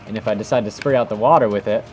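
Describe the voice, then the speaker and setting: A man's voice: lowish voice, racing, a little hiss or hum. A man giving casual, improvised commentary as he demonstrates techniques in a video game, thinking aloud in an informal way. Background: music.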